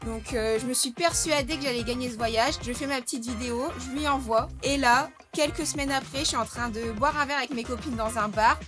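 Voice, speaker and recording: A woman's voice: high voice, brisk, hardly any pauses. A woman in her twenties, a contest winner, telling her story in a chatty way. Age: 20s. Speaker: contest winner, travel guest. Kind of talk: casual vlog confession. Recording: background music.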